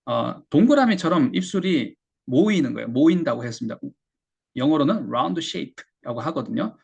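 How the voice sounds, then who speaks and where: A Korean man teaching English pronunciation, patiently explaining and slowly repeating words for learners. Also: fairly high pitch, animated, creaky, a little mellow, husky, highs cut off. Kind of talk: explaining lesson.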